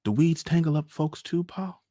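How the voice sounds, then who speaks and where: A man's voice: fairly high pitch, moderate pace, warm tone, no room sound, studio quality, pitched above the performer's own voice, lightly acted. A man voicing a small, dreamy, easily upset boy with a rural Southern accent in a storybook reading. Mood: wistful, eager. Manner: pleading, childlike dialect speech.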